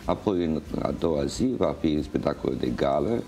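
Very deep-voiced older man, mellow. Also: lively intonation. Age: older, around 60s. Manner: halting, measured, pausing mid-phrase. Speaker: interview guest, folk festival organizer and juror. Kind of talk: studio interview, explaining. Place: indoor TV studio. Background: music playing.

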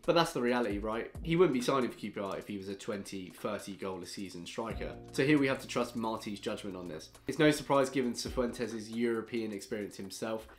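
A man, reading a scripted football match review to camera in a small room, measured and frustrated. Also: lowish voice. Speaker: football fan vlogger. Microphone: fixed camera, close framing.

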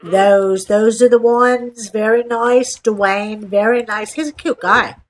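Here a gaming video host rambles casually over screen-recorded gameplay at a slow pace. Her pitch is fairly high and her intonation fairly even, with a slightly stuffed-up, congested nasal quality, and she chats playfully to herself, repeating phrases.

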